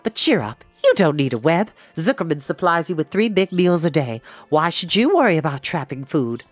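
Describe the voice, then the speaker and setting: A storybook reader voicing a clever female spider who teaches in a precise, patient, brisk way. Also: medium pitch, sing-song, dry recording, soft background music, voice pushed up. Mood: frank, kindly. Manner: precise, instructive, matter-of-fact.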